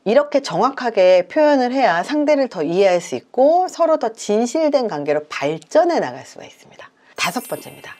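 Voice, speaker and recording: Woman, psychologist, advice talk, numbered points, animated intonation. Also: mid-range voice. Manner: explains in numbered points, acts out example lines.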